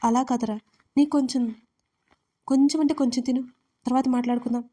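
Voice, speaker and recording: A woman's voice: sits high, steady tone, fairly quick, lightly acted. Coaxing worried mother, read by a woman. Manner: coaxing, gentle. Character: worried caring mother, coaxing her daughter.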